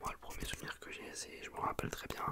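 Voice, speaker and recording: A man is whispering. Background noise can be clearly heard. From France, Paris. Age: 20s. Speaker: ASMR youtuber. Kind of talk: Q&A chat. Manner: hesitant.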